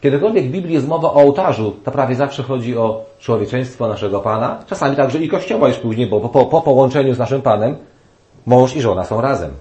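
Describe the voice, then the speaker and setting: A man's voice: mid-range voice, expressive, fast, warm tone, muffled recording. A man giving a conversational Bible study sermon to a congregation, often restarting phrases and adding tag questions. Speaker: preacher.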